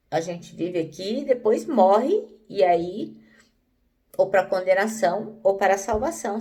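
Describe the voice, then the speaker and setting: A woman's voice: medium pitch, gravelly, darkish tone, far from the mic. A woman teaching the Bible in a conversational way, often checking in with "né?" and "então".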